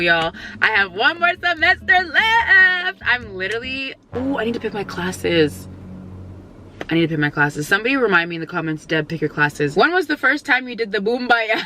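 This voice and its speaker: A woman in her twenties chatting casually to camera, answering viewer questions with jokes, lots of "like" and sudden loud outbursts. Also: on the high side. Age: 20s. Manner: playful, laughs often, jokey and oversharing; bursts into loud exclamations.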